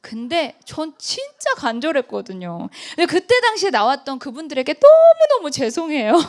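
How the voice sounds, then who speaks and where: A woman in her thirties giving a motivational sales talk, telling her story with lively acted-out dialogue. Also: sits high, moderate pace. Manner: animated storytelling, acts out quoted dialogue. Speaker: guest speaker.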